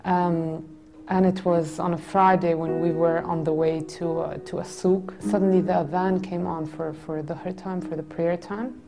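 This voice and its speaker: A woman in her twenties from a Greek family in Germany, calmly recounting her own story in a seated studio interview. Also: on the low side, moderate pace, gravelly. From Greek family, born in Germany. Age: 20s. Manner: reflective, soft, with frequent restarts. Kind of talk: personal testimony interview. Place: indoor studio set with red curtains.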